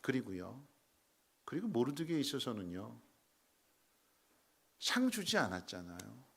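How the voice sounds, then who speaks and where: A man preaching a sermon in a church, dramatic, with sudden loud emphatic peaks and rhetorical questions to the congregation. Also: mid-range voice, very animated, measured pace, gravelly, husky. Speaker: pastor. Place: church sanctuary.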